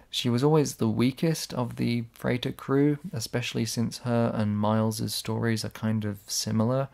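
A man's voice: fairly low pitch, vocal fry, darkish tone. A man giving casual, sarcastic video essay commentary. He is blunt, swears when annoyed, and his voice sounds slightly worn.

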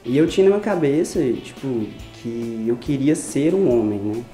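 Interviewee: 32-year-old man, Brazilian Portuguese accent, practical and calm, warm dark tone. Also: medium pitch, soft background music. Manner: practical, measured. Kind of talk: casual personal storytelling. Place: studio against grey wall. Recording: roomy room sound.

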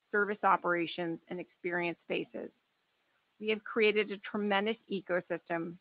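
A woman in a formal, measured manner reading a scripted earnings call presentation as a finance executive. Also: mid-range voice, vocal fry, no echo. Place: conference call webcast. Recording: dull, band-limited webcast audio.

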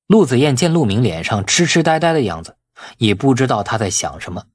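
A man's voice: mid-range voice, big pitch swings, a little fast, slightly rough. A man narrating a novel as an audiobook in a dramatic, scripted storytelling style.

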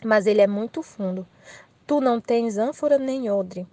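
A woman's voice: a little high, moderate pace, warm tone, dry recording, close to an everyday voice. Wary Samaritan woman, read by a Brazilian woman. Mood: questioning.

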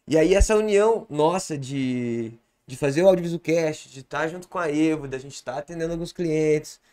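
Slangy, rambling guest from Brazil. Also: male voice, a little high, moderate pace, mellow. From Santa Catarina, Brazil. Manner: slangy, rambling, many fillers and restarts; gestures a lot with his hands. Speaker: podcast guest, comedian and producer. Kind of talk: casual podcast conversation. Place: small podcast studio with bookshelf. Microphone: boom studio mic close.

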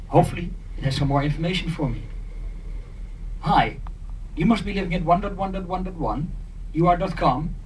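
A man's voice: a little high, darkish tone. A middle-aged man playfully and informally presenting a live conference skit. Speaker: session presenter acting out an internet provider. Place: small conference meeting room. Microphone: handheld mic, filmed from audience. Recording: distant, noisy conference room recording.

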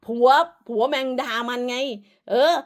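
A woman delivering an angry, profane, scolding rant as an online commentator, hurling insults throughout. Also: unhurried.

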